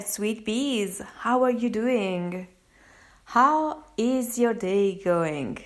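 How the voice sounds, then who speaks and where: An Italian woman with an Italian accent, a therapist and podcast host, talks through a casual live monologue. She is chatty, and her pitch jumps suddenly whenever she acts out quotes.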